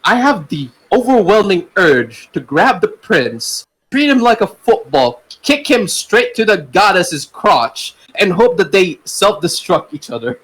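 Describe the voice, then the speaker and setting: A man's voice: high-pitched, big pitch swings, unhurried, hardly any pauses, fairly bright tone, slightly rough, poor audio. A man hosting a podcast in a casual group chat, joking in a crude, exaggerated way. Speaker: podcast host and reader.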